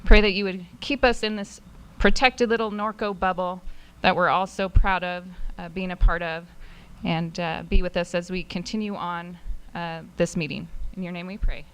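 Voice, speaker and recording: An American woman offers a formal public prayer at a meeting. Her voice is smooth, clear and a little low. She speaks in measured phrases with pauses. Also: fairly even intonation, a bit bright. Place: indoor city council meeting.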